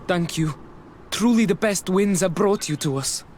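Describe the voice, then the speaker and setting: Game villager, male actor: tribal, earnest and formal, lighter higher register, slight background ambience. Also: normal speed, a little hiss or hum, close to an everyday voice. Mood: reverent, grateful. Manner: reverent, formal, heartfelt. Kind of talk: scripted video game acting.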